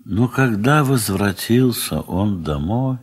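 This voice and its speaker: Male narrator, for literary audio drama: lower register, unhurried, measured and dramatic phrasing. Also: animated, husky.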